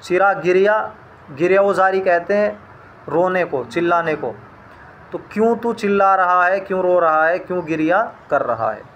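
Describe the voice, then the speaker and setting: A man's voice: sits high, expressive, moderate pace, a bit bright, lo-fi sound, a little hiss or hum. A man teaching a language lesson, saying each phrase, repeating it, and translating it word by word in a patient, methodical way.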